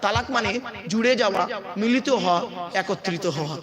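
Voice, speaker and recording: A man's voice: sits high, normal speed. A man preaching at a religious gathering, emphatic, quizzing the crowd and calling out to his listeners. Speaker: Islamic preacher and school teacher. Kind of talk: Bengali waz sermon to a crowd. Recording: crowd noise behind.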